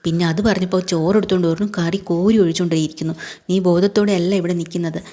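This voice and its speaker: A woman's voice: on the low side, steady tone, fast, warm tone, natural voice. A woman reading the lines of a worried, stern middle-aged family man in a serial recap, pressing questions in a plain voice. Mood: demanding.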